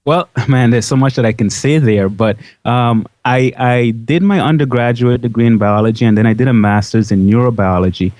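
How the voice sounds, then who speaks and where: A man's voice: mid-range voice, moderate pace, hardly any pauses, darkish tone, dry recording. A man from the Dutch side of a Caribbean island, schooled in Dutch, telling his story as an enthusiastic, chatty interview guest. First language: Dutch-schooled, fluent English. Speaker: interview guest, biology educator.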